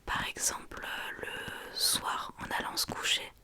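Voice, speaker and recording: A woman talks in a soft, unvoiced library whisper, explaining hesitantly with pauses in an ASMR book talk. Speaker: ASMR creator.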